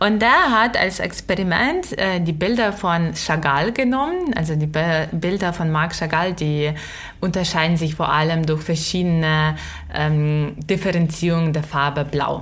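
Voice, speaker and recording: At a fairly slow pace, a woman talks in a fairly low voice with ordinary pitch variation and very even loudness, over noticeable background noise and audible room echo. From Ukraine. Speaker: podcast co-host. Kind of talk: casual chat.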